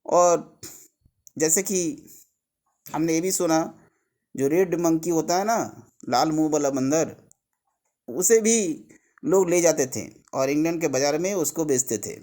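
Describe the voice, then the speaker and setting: Slow-paced teacher explaining a workbook. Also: male voice, on the high side, a little mellow. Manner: mixes Hindi and English, explains step by step.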